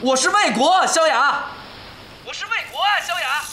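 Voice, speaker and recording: A man's voice: a little high, lively intonation, measured pace, background noise. An actor playing a young army colonel at the front, restrained and longing for his sweetheart, in a war drama. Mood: urgent calling. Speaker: army officer. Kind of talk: war television drama acting. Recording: music over the dialogue. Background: background music.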